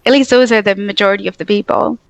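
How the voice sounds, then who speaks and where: A young woman from Tanzania with a mostly American accent tinged with Australian and English, telling stories in a talkative, animated way as a guest in a casual interview. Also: medium pitch, fast talker. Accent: mostly American with Australian and English touches. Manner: talkative, animated storytelling with many "like" fillers.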